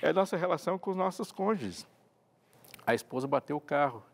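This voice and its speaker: A man's voice: on the high side, expressive, a little fast. A man from Brazil, a pastor and TV presenter, talking on a devotional talk show and acting out quoted dialogue expressively.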